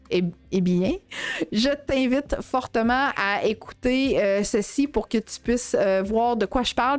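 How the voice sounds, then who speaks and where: A woman's voice: a little high, no room sound. Chatty Québécois woman, full of fillers. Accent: Québécois French. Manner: chatty, heavy on fillers and self-corrections. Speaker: dog behavior trainer hosting a show. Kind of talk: casual live-show talk to viewers.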